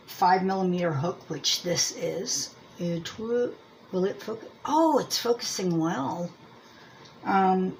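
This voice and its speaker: On a low-quality recording with slight hiss or hum, a woman with a lowish voice reviews a product casually for her crochet and yarn channel. She's from Lancaster County, Pennsylvania, speaks with a Pennsylvania Dutch American accent, and rambles in a self-deprecating, think-aloud way.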